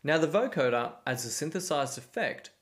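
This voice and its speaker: A man's voice: on the high side, expressive, normal speed, a bit bright. A man giving scripted, step-by-step instructional narration as a tutorial instructor.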